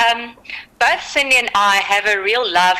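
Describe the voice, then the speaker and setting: A woman at a medium pitch is heard with noticeable background noise behind her. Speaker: singer-songwriter. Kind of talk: radio interview.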